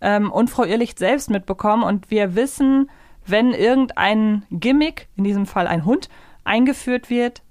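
A woman's voice: mid-range voice, animated, a little slow, darkish tone, no room sound. Female podcast co-host, mid-range voice, casual, analytical, thinking aloud, dry recording. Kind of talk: casual review chat about audio dramas.

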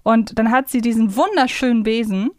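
A woman's voice: on the high side, moderate pace, a little mellow, dry recording. Woman chatting casually, close dry sound. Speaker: podcast co-host. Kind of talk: casual chat about a children's audio series.

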